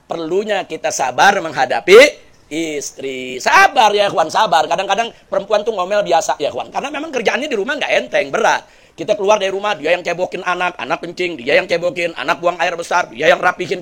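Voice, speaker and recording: A man preaching a sermon, telling stories in an animated, joking way and putting questions to the congregation. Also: sits high, brisk. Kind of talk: sermon with storytelling.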